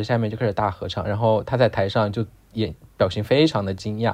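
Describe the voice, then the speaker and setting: A man's fairly low voice at a moderate pace, a plain, everyday voice over a quiet background. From Hunan, China. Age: 20s. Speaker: podcast guest, Chinese pop music fan. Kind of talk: casual chat.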